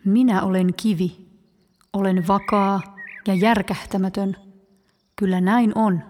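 A woman voicing the great stone of a tomb, steady and level. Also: medium pitch, in a large hall, slight background noise, lightly acted. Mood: solemn. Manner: solemn, level.

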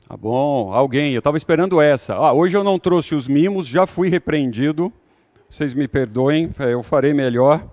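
A man's voice: a little high, animated, normal speed, a little mellow. A man leading an interactive Bible study, talking conversationally and putting questions to the audience.

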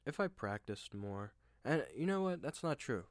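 A young man hosting a solo podcast, rambling and self-deprecating with lots of fillers and restarts, with a deep voice. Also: sing-song, normal speed, dry recording, clean studio sound. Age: young adult. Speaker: podcast host. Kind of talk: casual solo monologue. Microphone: desk microphone at home.

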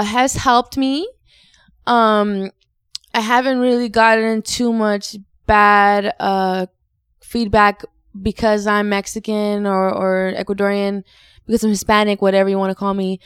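A woman's voice: medium pitch, fairly even intonation, unhurried, a bit bright, clear, resonant tone, no echo, clean studio sound. A woman, chatting casually in an interview, swearing freely and saying "like" a lot. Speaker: rapper guest.

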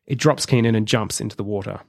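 Gravelly man telling a film pitch. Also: darkish tone, dry recording. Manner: vivid, measured storytelling. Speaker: podcast host. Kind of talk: narrating a comedic film pitch. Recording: dry close sound.

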